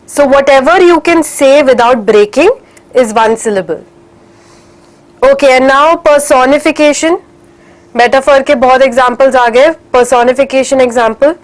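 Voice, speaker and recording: A woman's voice: sits high, moderate pace. A young woman teaching an online English class for children in Indian English, encouraging and slipping in Hindi phrases, a little stuffy from a cold.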